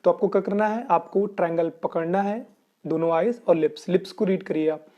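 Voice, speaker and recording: A man's voice: high voice, brisk, highs cut off. A man from Uttar Pradesh with an Indian accent, teaching English in a lesson and answering his own questions. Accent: Indian Hindi-speaking. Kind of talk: explanatory Hinglish lesson.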